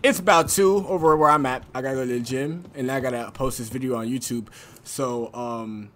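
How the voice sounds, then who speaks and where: A young man streaming a shooter game on a headset, loud, excitable and profane in his commentary. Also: mid-range voice, brisk. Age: young adult. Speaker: gaming streamer. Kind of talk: casual gameplay commentary.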